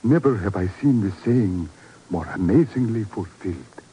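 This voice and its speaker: An actor playing a grave, dignified Arab man, solemn and formal, husky-voiced, in a 1950s radio drama. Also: fairly low pitch, expressive, normal speed, mellow, lo-fi sound, slight background noise, close to an everyday voice. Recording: old 1950s radio broadcast.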